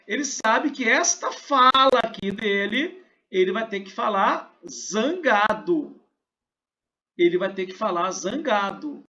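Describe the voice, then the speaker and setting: Brazilian male teacher, animated delivery, dull lo-fi sound, talks students through a lesson. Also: sits high. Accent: Brazilian Portuguese. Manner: explanatory, asks and answers his own questions. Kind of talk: recorded online class.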